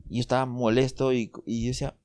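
A man's voice: medium pitch, level tone, fast, darkish tone, no room sound. Young Peruvian man, podcast co-host, rambling slangy storyteller, dry close sound. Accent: Peruvian Spanish. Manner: rambling, self-interrupting, slangy. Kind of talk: casual storytelling among friends.

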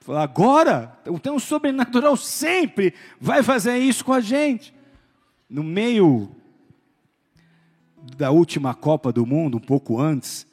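Animated preacher, higher-pitched man. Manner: animated storytelling, acting out voices, shouting at peaks. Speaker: pastor. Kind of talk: sermon.

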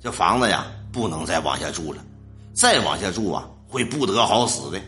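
Ghost of a dead old man, deep grave voice, urgent warning, as a male storyteller puts him on. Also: animated, moderate pace, bright, forceful tone, faint music behind. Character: dead old man's ghost speaking through a woman.

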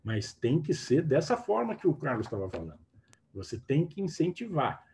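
A man instructs a group on hypnosis, stressing his points and checking in with his listeners. His voice is warm and mellow, sitting fairly high, and it moves up and down a lot. A faint background hum runs under him. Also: sing-song, normal speed. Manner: emphatic, keeps checking in with the listeners. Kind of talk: teaching in a group call.

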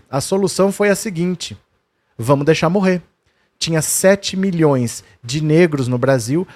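A man's voice: a little high, darkish tone, dry recording. Brazilian man explaining history. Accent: Brazilian Portuguese. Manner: conversational, shows documents to viewers; quotes historical figures in a raised voice. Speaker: history presenter.

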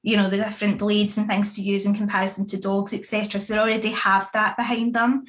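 A woman's voice: mid-range voice, flat delivery, quick pace. A woman chatting casually in an interview, with many fillers and frequent laughs. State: pregnant. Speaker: dog grooming academy founder and author.

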